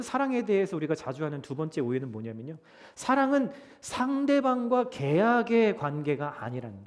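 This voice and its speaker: A male pastor giving a Sunday sermon in a church sanctuary, preaching emphatically and swinging between loud peaks and soft drops. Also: a little high. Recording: long church hall reverb.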